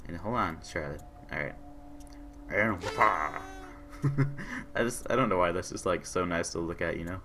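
A hoarse young man with a sore throat, casually commentating a game he is playing, reading on-screen messages aloud and answering them. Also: deep voice, expressive, a little slow, long pauses, background noise. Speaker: gaming channel host. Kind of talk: casual let's-play commentary.

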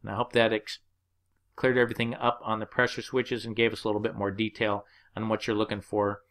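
In a fairly low, fairly bright voice with a completely flat delivery, an HVAC instructor moves at a fairly quick clip through his slides. He explains plainly, walking through the numbers one step at a time.

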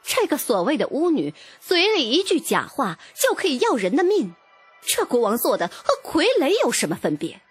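High, husky woman narrating an audiobook. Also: huge pitch swings, moderate pace, faint music behind. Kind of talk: expressive first-person audiobook narration.

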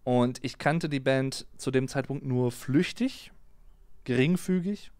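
This German stream host in his 30s talks slowly in a medium-pitched, clean voice, reading and responding to live chat with easy, chatty warmth. A close boom-arm desk mic in his small home streaming room keeps the sound dry, with no room sound.

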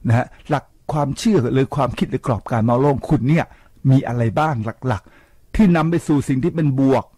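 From a radio studio, an older talk-show host delivers a lively, preachy lecture, posing rhetorical questions and dropping English words into his speech. He has a mid-range voice and a fairly quick pace, and the studio microphone picks up no room sound.

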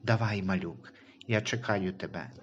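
A man voicing a tender, reassuring guardian angel in a Christian audio story, speaking calmly and comfortingly. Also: sits low, normal speed, highs cut off, a little hiss or hum, voice pushed down, lightly acted. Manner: calm, comforting.

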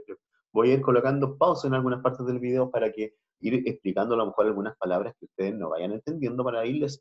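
A man with a Chilean accent teaching an English class online, switching between slow English and Spanish explanations. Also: mid-range voice, darkish tone. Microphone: video call. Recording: muffled video-call audio.

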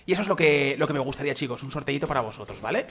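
A man's voice: medium pitch, racing, background noise. A man with a Spain Spanish accent, gushing and swearing casually while giving let's play commentary as a gaming YouTuber. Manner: excitable, gushing, peppered with mild swearing and filler.

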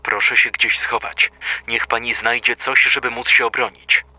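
An actor playing a calm, formal emergency dispatcher who keeps insisting the caller leave the house. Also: male voice, mid-range voice, normal speed, dry recording. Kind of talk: audio drama acting.

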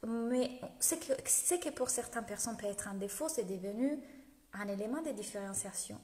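A woman's voice: medium pitch, animated, normal speed, warm tone. A woman in her thirties with an Italian accent, a business coach talking live to her followers on a phone held at arm's length at home, laughing often and greeting viewers as she goes. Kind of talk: live video talk to followers. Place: home room indoors. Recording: echoey room with long reverb.

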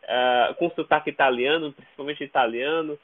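Tinny phone-line Brazilian man, halting. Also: mid-range voice. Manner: halting, repeats words while searching. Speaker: podcast guest. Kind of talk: casual interview chat. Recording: narrow, tinny phone-like call audio.

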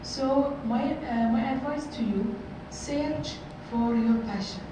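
Woman, middle-aged, high voice, motivational workshop talk, echoey conference room, far-off camera, noisy. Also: takes it slowly. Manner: earnest, repeats phrases, many fillers. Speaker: workshop speaker. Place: large hotel conference room.

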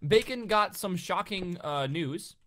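A man's voice: high-pitched, lively intonation, unhurried, a bit bright, a little hiss or hum. A man co-hosting a gaming series, chatting casually and thinking aloud while he plays. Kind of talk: casual gameplay chat.

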